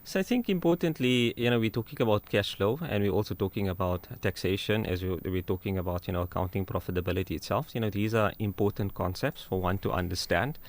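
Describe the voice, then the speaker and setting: A man's voice: on the low side, quick pace, hardly any pauses. A middle-aged man with a Johannesburg South African accent, a tax expert answering questions on a radio show in an explanatory way. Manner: explanatory, with many "you know"s. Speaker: tax partner guest.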